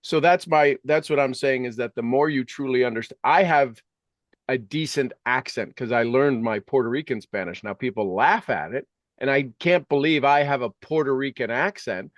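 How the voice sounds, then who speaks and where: A man's voice: medium pitch, moderate pace, no echo, dull audio. A middle-aged or older man talking conversationally like a coach, emphatic and repeating phrases to drive points home.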